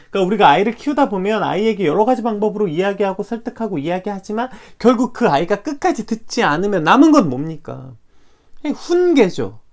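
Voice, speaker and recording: Animated man preaching with lively pitch. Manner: animated, acts out quoted dialogue, rhetorical questions. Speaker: pastor. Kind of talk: morning devotional sermon.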